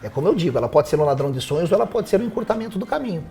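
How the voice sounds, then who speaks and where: Man, animated pitch, slightly high, advising, rhetorical questions. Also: racing, creaky. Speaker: guest teacher. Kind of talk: casual podcast conversation.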